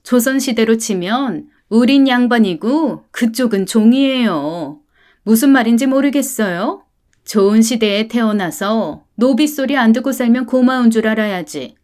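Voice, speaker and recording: Woman doing a stuck-up rich mom, sneery and haughty, highish voice. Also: a little mellow. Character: rich snobbish mother, arrogant and contemptuous.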